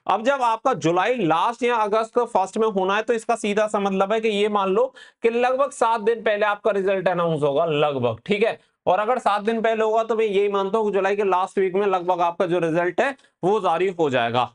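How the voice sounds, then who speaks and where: A man's voice: sits high, fairly quick, hardly any pauses. A man giving an informal, advisory exam update as a coaching host, mixing in English words.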